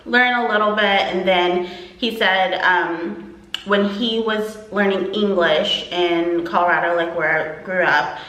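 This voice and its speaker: Woman vlogger, bright tone, rambling chat, echoey room. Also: medium pitch, slow. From Texas, USA. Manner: rambling, lots of "like" and "um". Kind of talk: casual chat to camera.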